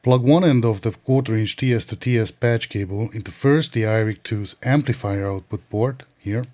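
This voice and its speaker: A man's voice: lowish voice, moderate pace, a little mellow, no room sound. A man narrating an instructional tech tutorial in a methodical, precise, explanatory way. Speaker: tech reviewer and tutorial presenter.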